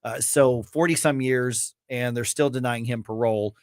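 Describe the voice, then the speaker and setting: A man's voice: mid-range voice, steady tone, dry recording, clean studio sound. A man hosting a morning talk radio show, chatting casually with co-hosts and often restarting his sentences with fillers. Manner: halting, many restarts and fillers. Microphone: studio microphone.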